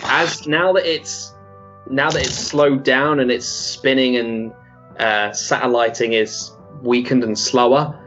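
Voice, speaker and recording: A man's voice: mid-range voice, fairly even intonation, slow, a bit bright, highs cut off. Chatty game master man, faint music. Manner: loose, chatty narration with many fillers and laughs. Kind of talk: narrating a tabletop game.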